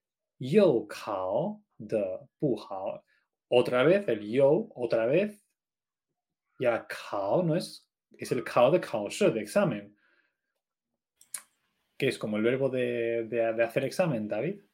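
A man on a language-learning podcast, talking in an easy conversational way. He keeps asking questions and checking each point as he goes. His pitch sits in a middle range. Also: lively intonation, slow, pauses often, a little mellow. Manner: asks questions and checks understanding. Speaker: co-host of a Chinese learning podcast. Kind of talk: casual language lesson chat.

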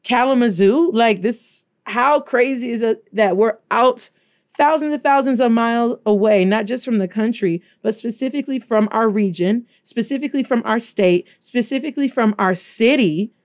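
A woman from Detroit with a Black Midwestern accent, telling a story in a chatty, animated way while teaching Spanish. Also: fairly high pitch, moderate pace. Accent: Black Midwestern American. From Detroit, Michigan. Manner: chatty, animated, addresses listeners as y'all. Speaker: Spanish teacher and podcast host. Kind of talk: casual storytelling lesson mixing English and Spanish.

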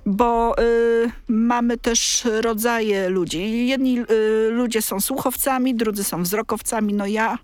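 A middle-aged woman, a librarian from a talking-book department, chatting casually on a podcast, taking her time and pausing often to find her words. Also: fairly high pitch, steady tone, a little mellow, no echo. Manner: unhurried, searching for words with fillers and repeats.

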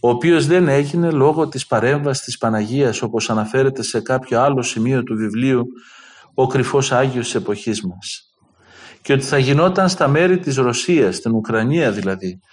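A man preaching, telling stories of an elder in an earnest way and acting out the dialogue. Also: medium pitch. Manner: earnest, lively quoting of dialogue. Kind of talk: sermon storytelling.

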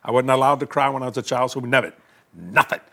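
A man's voice: mid-range voice, quick pace, vocal fry, sharp tone. An older man, hosting a Christian TV talk show in a folksy, colloquial way and leading a prayer. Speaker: televangelist host.

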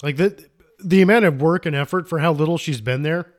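A man's voice: on the high side, brisk. A man co-hosting a casual movie podcast, recapping the plot in a rambling, enthusiastic way with frequent restarts. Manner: rambling, self-interrupting, enthusiastic. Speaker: podcast co-host.

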